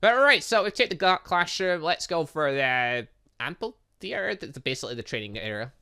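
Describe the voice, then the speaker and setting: A man gives let's play commentary in a bright voice. His pitch moves around a lot, and he reads on-screen text aloud in an animated way, stumbling now and then. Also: normal speed, vocal fry, clean tone. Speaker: gaming video host.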